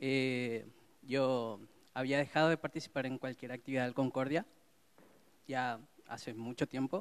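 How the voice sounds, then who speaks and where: Long, frequent pauses break up a man's fairly slow speech. His medium-pitched voice keeps a fairly even intonation. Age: 30s. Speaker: church member. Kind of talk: testimony.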